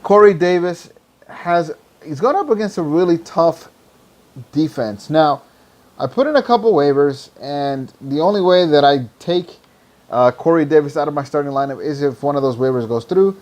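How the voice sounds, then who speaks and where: A hoarse, tired man hosting a podcast, rambling loosely through fantasy football picks and swearing freely. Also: a little high, normal speed, darkish tone. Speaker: podcast host. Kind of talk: casual fantasy football talk.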